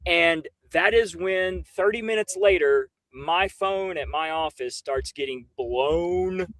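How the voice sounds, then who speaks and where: A man's voice: on the high side, slow, a bit bright, no echo, poor audio. A man talking on a casual livestream in an emphatic, incredulous, slangy way, swearing freely as he rants. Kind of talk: animated casual livestream rant.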